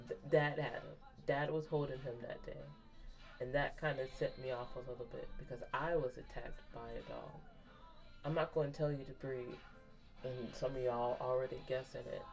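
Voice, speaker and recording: Speaking at an extremely low pitch with a darkish tone, a thirty-something vlogger has a candid, rambling personal chat with her viewers and often laughs at herself. Faint music sits behind the dull, lo-fi recording.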